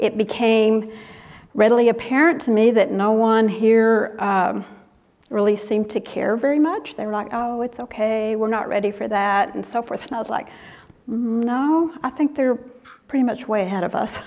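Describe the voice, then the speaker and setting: In a Southern US accent, a woman speaks with ordinary pitch variation. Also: fairly high pitch for a woman. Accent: southern drawl. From Texas. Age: old. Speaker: former high school physics teacher, educator. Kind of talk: panel discussion. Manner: animated.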